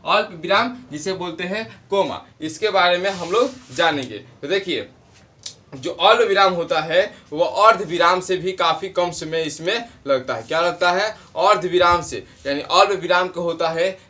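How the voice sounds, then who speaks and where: A man with a rather high voice gives a grammar lesson. He talks in a classroom style, slowing down to repeat short example phrases for his students. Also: bright, forceful tone. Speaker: teacher. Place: home in a village, wedding noise nearby.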